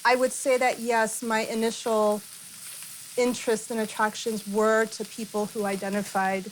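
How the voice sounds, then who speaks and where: A middle-aged woman with an American accent, explaining a dish and telling personal stories in an expressive way as a guest cook. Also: on the high side, moderate pace, a little hiss or hum, rough recording. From born in Iran, raised in Arizona, US. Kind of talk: cooking demonstration with personal storytelling. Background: music and frying sizzle.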